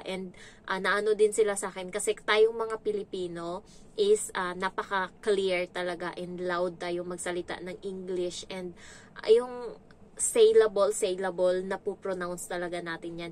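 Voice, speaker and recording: A young woman from the Visayas with a voice, talking casually to camera as a domestic helper vlogger and telling animated stories. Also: medium pitch, slight background noise. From Visayas, Philippines. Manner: chatty, animated storytelling with imitations.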